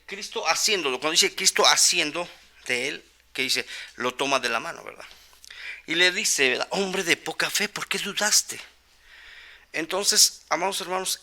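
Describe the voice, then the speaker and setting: A man preaching a sermon, talking conversationally to his listeners, often adding "¿verdad?" and swinging between soft asides and emphatic points. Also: fairly high pitch.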